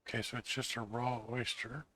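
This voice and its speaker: A man with a slightly hoarse voice, chatting casually while playing a survival video game. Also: mid-range voice, level tone, a little fast, sharp tone, no echo, poor audio. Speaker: gaming channel host. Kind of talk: casual let's-play commentary.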